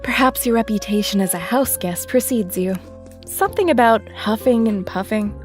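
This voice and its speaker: An actress playing Snow White, a weary, guarded and sardonic deputy mayor with a dry, wry manner, in an audio drama. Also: female voice, fairly high pitch, lively intonation, normal speed, soft background music, natural voice.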